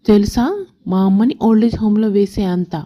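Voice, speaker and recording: A woman's voice: medium pitch, fairly even intonation, a little fast, lo-fi sound, close to an everyday voice. A woman voicing a stern husband in a story, a protective son who scolds and admonishes. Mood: angry warning.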